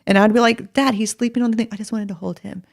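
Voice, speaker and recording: A woman co-hosting a podcast, earnest in casual chat and quick with jokes. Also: mid-range voice, fairly even intonation, vocal fry, no room sound, clean studio sound. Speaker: podcast co-host. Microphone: podcast studio mic.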